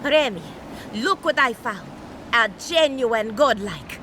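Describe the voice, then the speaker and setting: A woman's voice: fairly high pitch, lively intonation, takes it slowly, sharp tone, a little hiss or hum, heavily acted. An actress playing an eccentric, condescending woman researcher who studies people like specimens, in a theatrical, clinical manner. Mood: delighted curiosity. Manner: theatrical, clinical, patronizing, sing-song. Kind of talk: video game character dialogue.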